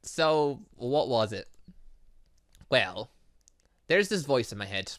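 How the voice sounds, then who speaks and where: Reading a story game's lines aloud, the male gaming host trips over words, fixes himself, and tosses in casual asides. Here his medium-pitched voice is expressive and a bit bright, and he takes it slowly.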